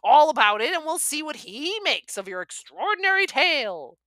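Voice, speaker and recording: An excitable rustic policeman bursts out in big, gushing exclamations, put on by a woman reading aloud. The voice sits high and sounds bright. The recording is dry and close. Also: moderate pace, no room sound. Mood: eager. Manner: booming, gushing outbursts.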